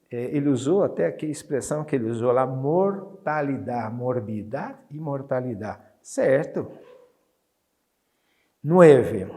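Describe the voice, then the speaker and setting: A man with a Brazilian Portuguese accent goes through a Spanish exam review. His voice sits at an ordinary middle pitch. He reads each item slowly and then talks it over casually, often checking in with his students. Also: a little mellow. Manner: chatty, checks in with students constantly. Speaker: Spanish teacher.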